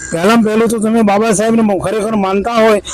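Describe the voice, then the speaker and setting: A man speaks at a high pitch in a monotone, flat way against noticeable background noise. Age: 80s+. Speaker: Buddhist novice monk and social activist. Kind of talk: appeal in interview.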